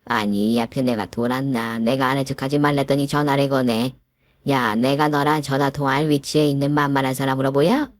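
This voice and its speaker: A woman's voice: rumbling low, fairly even intonation, brisk, no room sound, clean studio sound. Woman voicing a scornful scheming mother-in-law. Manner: scornful, bullying, stammers when cornered. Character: spiteful scheming middle-aged mother-in-law.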